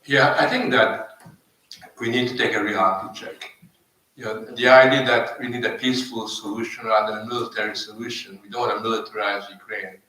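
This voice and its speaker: A man from Hungary, arguing as a panelist in deliberate phrases that often restart. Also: lowish voice, steady tone, sharp tone. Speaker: panel speaker. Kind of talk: argumentative panel remarks. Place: live panel event in an echoey room. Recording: very echoey room, distant microphone.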